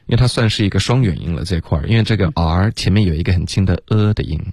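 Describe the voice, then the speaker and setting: This man speaks in a deep, low voice in a dead-dry studio. He is a radio English teacher who explains pronunciation in a loose, relaxed way. He peppers his talk with English fillers and drags out sample words to demonstrate them. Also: dry recording. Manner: relaxed, sprinkles English fillers like OK and right, demonstrates sounds slowly.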